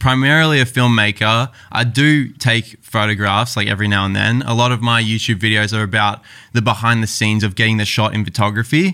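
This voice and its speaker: With an Australian accent, the voice moves at a fairly quick pace in a bright, sharp tone and fairly even intonation, on a very clean recording with a silent background. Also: man, medium pitch for a man. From Australia, Melbourne. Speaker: filmmaker and YouTuber. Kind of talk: casual chat.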